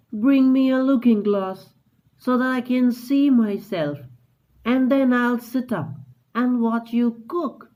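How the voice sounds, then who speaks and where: A man voicing a frail, sick young woman speaking softly and weakly in a storybook reading. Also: rough recording. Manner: soft, weak, pitched up.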